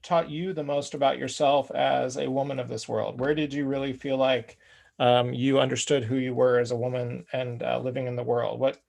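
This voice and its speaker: Gravelly-voiced male craft show host. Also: mid-range voice, level tone, moderate pace, darkish tone. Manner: upbeat, frequent "uh" fillers. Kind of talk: casual interview while crafting.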